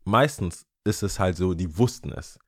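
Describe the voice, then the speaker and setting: A man co-hosting a casual podcast chat, animated, dropping English words into his German and pausing to search for words. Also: deep voice, no echo, clean studio sound. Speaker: podcast co-host.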